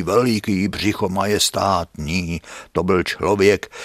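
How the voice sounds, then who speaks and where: Husky older man reminiscing softly. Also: deep voice, no echo. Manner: unhurried, musing, often dropping to a soft whisper. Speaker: painter telling memories. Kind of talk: reminiscing storytelling. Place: painter's studio.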